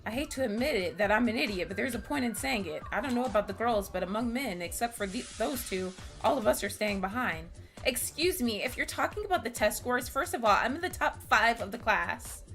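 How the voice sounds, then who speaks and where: A woman plays anime visual-novel students, bantering and earnest. The delivery is theatrical and high, with lively swings of pitch over game music. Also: fairly quick. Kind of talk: dramatic read-aloud of game dialogue.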